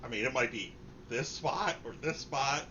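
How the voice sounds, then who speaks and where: A man working as game master, narrating and chatting informally in a halting, improvised way. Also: mid-range voice. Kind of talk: improvised tabletop game narration and casual chat. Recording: muffled room recording with clear noise.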